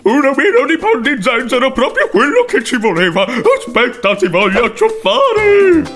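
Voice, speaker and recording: A woman's voice: sits high, big pitch swings, moderate pace, faint music behind. A woman voicing a greedy, delighted farm pig in a storybook cartoon, calling out eagerly. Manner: eager, shouting.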